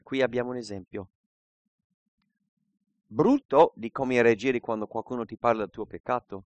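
A man with a mid-range voice preaches a sermon and reads scripture aloud at a moderate pace, earnestly shifting between quiet reflection and emphatic points. The recording is dry.

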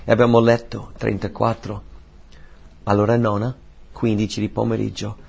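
A man preaching a sermon, emphatic and repeating key phrases, swinging between soft lines and loud ones. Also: on the low side, level tone, moderate pace, creaky, husky.

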